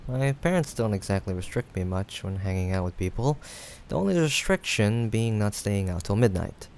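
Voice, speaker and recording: Casting: man as teasing, caring young guy friend for audio roleplay, lowish voice with vocal fry, casual and reassuring, rain behind. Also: lively intonation, a little mellow. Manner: casual, teasing, chuckling, hesitant pauses. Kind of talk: improvised audio roleplay addressed to the listener. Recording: faint background noise, rain ambience. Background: rain sound effects.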